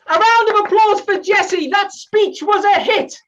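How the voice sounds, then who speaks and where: A man voicing a chirpy, welcoming online club host from Canada with brisk, gushing politeness, in comic storytelling. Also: extremely high pitch, a bit bright, far from the mic, lo-fi sound, pitched above the performer's own voice. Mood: cheerily announcing.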